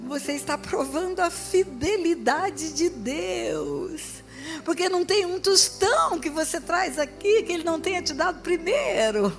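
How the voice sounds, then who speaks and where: Over music in the background, a woman speaks in a raised, projected voice at a very slow pace. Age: 70s. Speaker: pastor. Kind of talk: sermon. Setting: church. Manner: impassioned.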